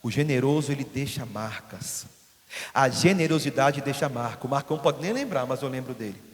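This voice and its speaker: Preaching as pastor in a church hall, this man speaks at a moderate pace in a mid-range voice with lively intonation. His sermon is full of stories, and he performs the voices of the characters he quotes, all under long hall reverb.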